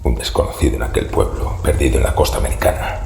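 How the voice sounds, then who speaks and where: This horror audio drama performance features a man acting as an ominous elder whose bloodline traces back to cursed fish-like cultists, grave but polite. His very deep, mellow voice rasps with a gravelly, breathy texture as he narrates slowly and formally, the mood grave and foreboding. It was recorded in a reverberant, echoey space with faint noise.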